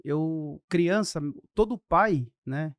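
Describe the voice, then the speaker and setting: A Brazilian pastor in his thirties tells his testimony in an animated, story-acting way. His voice sits high for a man, and the recording is dry and close. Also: drawn-out words, no echo. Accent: Brazilian Portuguese. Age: 30s. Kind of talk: storytelling in a podcast interview.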